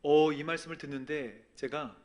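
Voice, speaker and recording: A man preaching a sermon as a pastor, telling a personal testimony and swinging between soft and loud. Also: on the high side, fairly even intonation, moderate pace. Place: church sanctuary.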